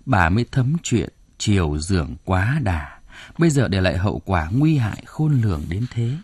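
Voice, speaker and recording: A man narrates a novel with expressive storytelling. His voice is mellow and husky, and it moves widely in pitch. The sound is close and dry. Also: moderate pace, dry recording. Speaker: audiobook narrator. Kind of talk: scripted narration.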